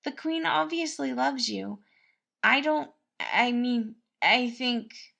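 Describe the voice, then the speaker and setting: Woman acting kindly young man, palace cook, high lifted pitch, creaky edges, bubbly, hesitant, earnest, storybook dialogue. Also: slow, bright, forceful tone, full character voice. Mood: earnest reassurance. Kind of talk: acted dialogue in fan-fiction audiobook.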